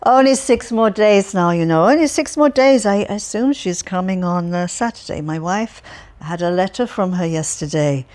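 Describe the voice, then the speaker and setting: A woman's voice: on the low side, normal speed, darkish tone, close to an everyday voice. A woman reading an audiobook, voicing a cheerful, chatty elderly man who rambles and stumbles over his words. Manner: rambling, stumbling, relentlessly upbeat.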